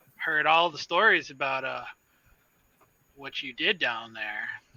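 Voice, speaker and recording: A man puts on a raspy character voice at a fairly high pitch. He speaks at a fairly slow pace. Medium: actual play.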